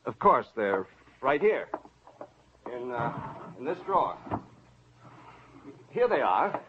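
An actor playing a fussy, evasive camera shop clerk with a husky voice, in 1940s radio acting. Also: male voice, medium pitch, big pitch swings, takes it slowly, background noise. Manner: dithering, overly sweet, stalling. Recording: dull lo-fi old radio recording.

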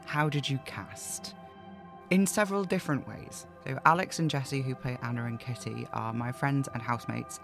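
A man's voice: medium pitch, creaky. A man speaking informally as an audio drama creator hosting a chatty question-and-answer podcast. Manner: informal, conversational.

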